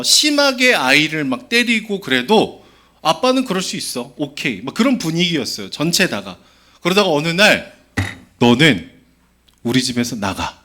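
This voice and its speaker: A male pastor giving a children's sermon, lively and full of questions to the children. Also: on the high side.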